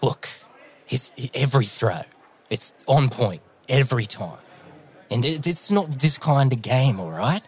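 A man narrating a tabletop game as game master, lively and quick with his asides. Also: medium pitch, breathy edge. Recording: background music.

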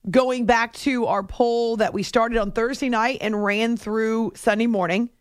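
Lady sports radio host, chatty, highish voice, dry close studio mic. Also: no echo. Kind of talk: conversational sports radio monologue. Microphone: close studio microphone.

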